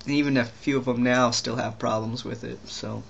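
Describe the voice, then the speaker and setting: A young trans man talking casually in a video diary, rambling and halting with many restarts and fillers. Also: medium pitch, steady tone, vocal fry, a bit bright, lo-fi sound, slight background noise. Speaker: vlogger.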